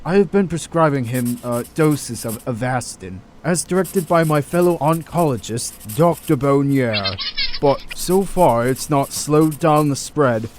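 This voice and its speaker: A man's voice: medium pitch, a little slow, background noise, close to an everyday voice. A man playing an earnest, kindly doctor in an amateur audio drama. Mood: earnest, hopeful.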